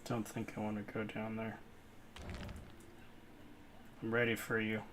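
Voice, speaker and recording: A man's voice: on the low side, completely flat delivery, a little slow, fairly bright tone, slight background noise. A young man from New England giving rambling, casual commentary while playing a video game, laughing easily as he talks. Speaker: gaming channel host. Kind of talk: casual let's-play commentary.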